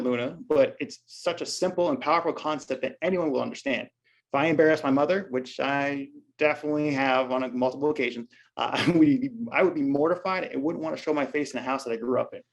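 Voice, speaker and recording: A man presenting in a webinar, talking casually in a playful, self-mocking way. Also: mid-range voice.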